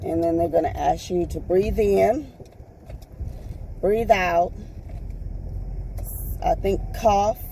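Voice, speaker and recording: A woman with a raspy voice, chatting to viewers from her car in a rambling, chatty way. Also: fairly low pitch, warm tone, a little hiss or hum, rough recording. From Texas, US. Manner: rambling, chatty, calls viewers y'all and honey. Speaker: vlogger. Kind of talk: casual chat to viewers while driving. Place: in a parked car.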